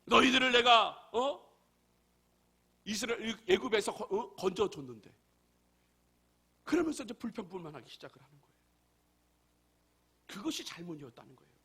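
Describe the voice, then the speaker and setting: A man's voice: sits high, sharp tone, breathy edge. A male pastor preaching a sermon, emphatic and full of rhetorical questions to the congregation.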